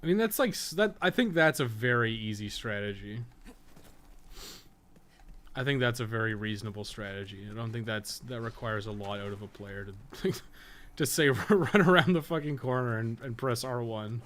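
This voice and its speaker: A man giving casual, rambling live commentary as he plays a game, thinking out loud and swearing freely. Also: medium pitch, lively intonation, moderate pace, slight background noise. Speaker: game streamer and guide maker.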